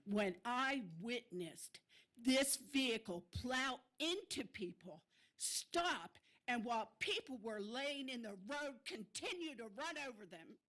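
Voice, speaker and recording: Impassioned older woman, high and bright. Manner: emotional, indignant, insistent. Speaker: public commenter at a city council meeting. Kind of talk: impassioned public comment. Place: city council chamber.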